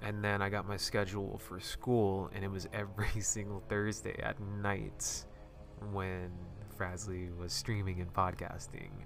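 Audible room echo colors a man's fairly low voice as he speaks at a fairly slow pace with fairly even intonation. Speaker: gaming podcast host. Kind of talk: casual solo talk.

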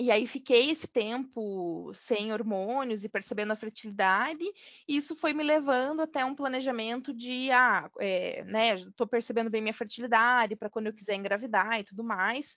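A woman speaks at a moderate pace in a fairly high pitch, with ordinary pitch variation and hardly any pauses. She has an ordinary speaking voice. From Brazil, Curitiba. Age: 30s. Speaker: mother telling birth story. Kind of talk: testimony.

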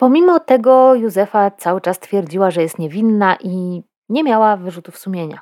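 In a Polish accent, a woman speaks at a moderate pace and medium pitch, her tone dark and mellow and her intonation lively. The recording is very clean with a silent background, and the sound is dry and close with no echo. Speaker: true crime podcaster. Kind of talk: true-crime narration, scripted storytelling. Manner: calm, measured, serious narrator; grave, somewhat judgmental, with commentary on the killer.

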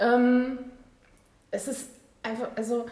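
Room echo is audible, along with noticeable background noise. A woman speaks in a high pitch with monotone, flat intonation. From Hameln, Lower Saxony, Germany. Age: 20s. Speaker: podiatry trainee. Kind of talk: casual interview. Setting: podiatry practice. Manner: hesitant, many fillers.

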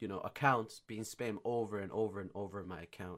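A man speaks in an unremarkable speaking voice. His pitch is medium and his pace fairly quick. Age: 20s. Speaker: podcast host and streamer. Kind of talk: casual chat. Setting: online call.

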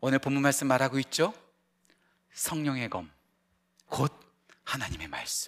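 The speaker is a man. His pitch is fairly high. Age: 40s. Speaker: pastor. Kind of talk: sermon.

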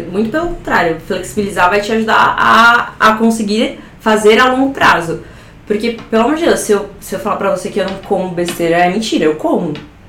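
Amid noticeable background noise and audible room echo, a woman at a medium pitch speaks at a fairly quick pace with lively intonation. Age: 30s. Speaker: sports medicine resident and coach. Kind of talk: casual interview.

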